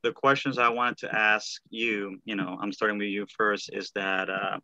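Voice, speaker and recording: A man hosting an online group podcast, talking in a halting way with lots of fillers and restarts. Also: fairly low pitch, level tone, sharp tone, no echo, muffled recording. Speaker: podcast host and founder. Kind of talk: casual online group call.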